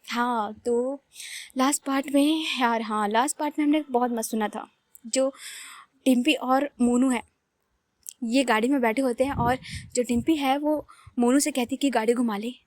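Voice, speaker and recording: A young woman talking in a high, bright voice. She rambles casually and often laughs at herself, like chatting with friends. The recording is dry and close, with no echo. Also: steady tone, normal speed. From Uttar Pradesh, India. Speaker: storyteller. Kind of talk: casual storytelling vlog.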